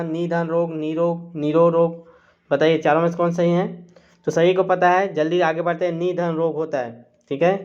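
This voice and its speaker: A man's voice: fairly high pitch, highs cut off. A man teaching a live online exam-prep quiz class, reading out questions and options and coaxing students with "theek hai". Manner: coaxing, repeats "chaliega" and "theek hai", reads options aloud.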